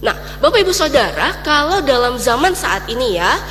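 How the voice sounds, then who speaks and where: A woman from Indonesia preaches a Sunday sermon with a fairly high voice. She keeps turning to the congregation with direct address and little questioning tags. The room rings with a long reverb, and soft music plays faintly under her. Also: sing-song, normal speed. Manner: addresses congregation often, ends phrases with tag questions.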